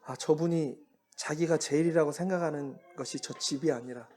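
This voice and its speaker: A man's voice: on the high side, moderate pace, dark tone. Conversational male missionary preacher. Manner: conversational, anecdotal, chuckles while telling stories. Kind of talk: sermon storytelling.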